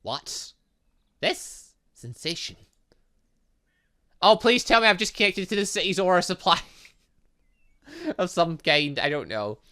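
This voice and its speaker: In an unhurried, high-sitting voice full of pauses, a gaming host reads visual novel dialogue out loud. He animatedly breaks in with jokey comments and reactions as he goes.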